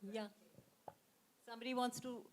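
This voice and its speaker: A woman moderates a literary festival session. She speaks with open enthusiasm and gently nudges the audience to ask questions. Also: fairly high pitch, level tone, moderate pace, a little hiss or hum. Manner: warm and effusive, coaxing the audience.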